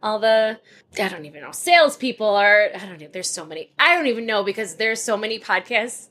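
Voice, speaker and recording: A woman's voice: medium pitch, lively intonation, brisk, fairly bright tone. A woman co-hosting a podcast, chatting casually and acting out quoted asides, recorded at a busy conference. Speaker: podcast co-host. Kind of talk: casual chat.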